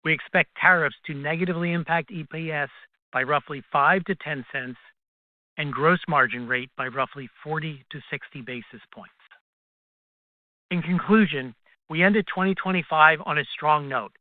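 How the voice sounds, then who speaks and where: Man, finance executive, formal scripted delivery, measured, narrow telephone-band sound, very dry with no room. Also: fairly high pitch, no echo. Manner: formal, measured reading of prepared remarks. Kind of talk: scripted earnings call presentation. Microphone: conference call line. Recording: tinny, dry phone conference line.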